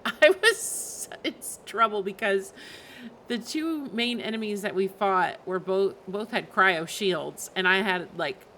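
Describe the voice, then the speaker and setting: A woman's voice: medium pitch, fairly bright tone, slight background noise. A woman live-streaming a video game, chatting informally and thinking aloud in a rambling way. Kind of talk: casual chat while streaming a game. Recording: music behind the voice. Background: video game music.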